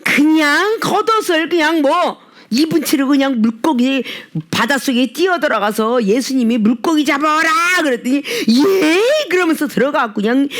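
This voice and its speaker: A woman pastor delivers a sermon with animated, sweeping intonation. She keeps prompting her listeners with rhetorical questions. She moves back and forth between scolding them and pleading with them. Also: high voice.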